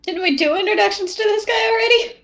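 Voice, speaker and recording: A woman's voice: extremely high pitch, quick pace, a bit bright. A woman chatting casually in character as a player in a tabletop game. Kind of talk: casual in-game roleplay chat.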